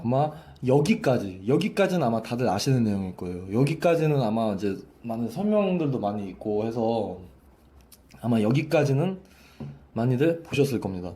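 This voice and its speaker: Mellow-voiced male vocal coach. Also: mid-range voice. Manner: repeats and restarts phrases while explaining with a hose. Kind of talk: explanatory voice lesson.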